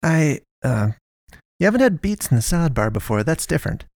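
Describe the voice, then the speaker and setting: A weary young woman, played by a man, answering softly and with hesitation. Her voice sits somewhat above his own. The recording is dry and close. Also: on the high side, big pitch swings, a little fast, dry recording, voice pushed up. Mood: hesitant. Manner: soft, hesitant replies.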